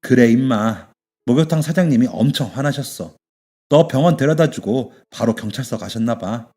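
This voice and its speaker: A man's voice: medium pitch, lively intonation, moderate pace, dark tone, faint music behind, close to an everyday voice. A man voicing a blunt but kind middle-aged male shop owner who talks to his young worker like a father in a radio story. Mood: gruff caring.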